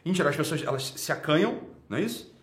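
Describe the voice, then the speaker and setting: Brazilian man livestreamer, fairly high voice, crude and exasperated, in an echoey room. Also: expressive, fast talker. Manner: swears constantly, laughs loudly, exasperated and mocking. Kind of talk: profane rant and lecture on a live stream.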